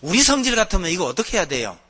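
Male pastor, sermon, animated storytelling, slightly high voice, bright tone. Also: racing, husky.

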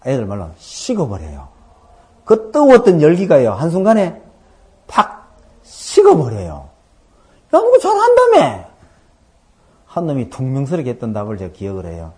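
A middle-aged man preaching a sermon as a pastor, telling stories and acting out dialogue with sudden loud outbursts. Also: mid-range voice, huge pitch swings, a little fast.

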